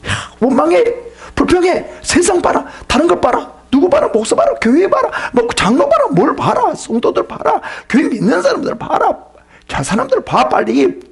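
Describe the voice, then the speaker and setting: Scheming, cocksure male Satan voiced by a man, gravelly and swooping, jeering delivery. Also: very high-pitched, huge pitch swings, moderate pace, pitched above the performer's own voice, full character voice. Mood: taunting. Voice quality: raspy, gravelly. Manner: jeering, urgent commands.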